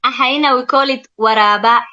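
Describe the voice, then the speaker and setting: A woman's voice: on the high side, a little fast, pushed and bright. A woman chatting casually as a guest, giving short informal answers about words in her language. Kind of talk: casual chat. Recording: slightly dull lo-fi sound.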